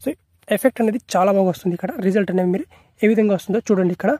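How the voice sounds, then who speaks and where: Very fast-talking man, mellow voice. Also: high-pitched, fairly even intonation, dry recording, clean studio sound. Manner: repetitive, instructional, mixing in English tech terms. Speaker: tech tutorial host. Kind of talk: screen-recorded app tutorial narration.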